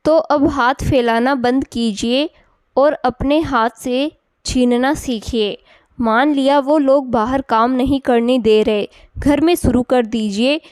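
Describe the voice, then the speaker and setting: A woman's voice: sits high, slow, darkish tone, clean tone, dry recording. A woman voicing a spirited young unmarried cousin who coaxes and urges her older cousin. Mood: urging. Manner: coaxing, persuasive.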